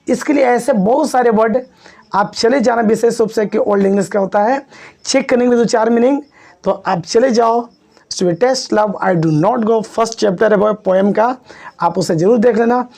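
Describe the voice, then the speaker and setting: A male teacher gives an exam-prep video lecture. His voice is gravelly and mellow. He repeats key points and coaxes his students along. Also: sits high. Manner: coaxing, repetitive, addresses students as "babu". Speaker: English teacher.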